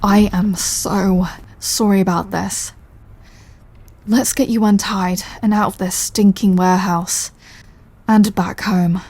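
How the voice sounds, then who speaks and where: A woman performs a British female mob boss in an intimate audio roleplay. Her voice is soft-edged and relaxed, recorded very dry and close. She is wry and world-weary, yet protective and apologetic. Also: medium pitch, slow, husky, no echo. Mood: apologetic, flirty. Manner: dry, sardonic, sighing, exasperated. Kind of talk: ASMR audio roleplay, close scripted acting.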